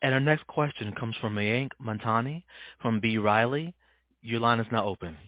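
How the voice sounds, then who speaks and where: A man's voice: medium pitch, moderate pace, no room sound. A man making scripted announcements as a conference call operator, with slightly dull audio.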